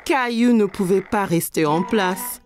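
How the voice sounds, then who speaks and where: A woman narrates a children's cartoon like a storybook reader, telling of a small boy's everyday adventures. Her mid-range voice sounds natural and moves a little slowly, with faint music behind her.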